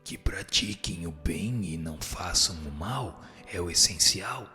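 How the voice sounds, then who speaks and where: A man performs a grave spirit mentor in an audio drama. The voice is deep and bright, with a slow, measured delivery that admonishes and instructs solemnly. Faint music plays underneath. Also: lively intonation, heavily acted. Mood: solemn, instructive. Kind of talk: scripted audio drama reading of a spiritual text.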